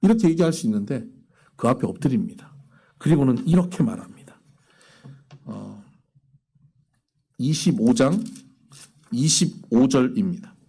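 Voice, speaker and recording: Animated male pastor preaching. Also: mid-range voice, measured pace, long pauses, breathy edge. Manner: animated, acts out quoted speech. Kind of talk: sermon. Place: church sanctuary.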